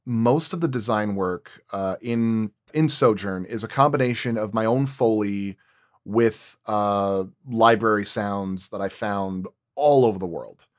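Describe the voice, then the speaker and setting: A man's voice: on the low side, a little slow, no echo, studio quality. A man speaking as a sound designer in a roundtable, thinking aloud and repeating and rephrasing as he explains his craft.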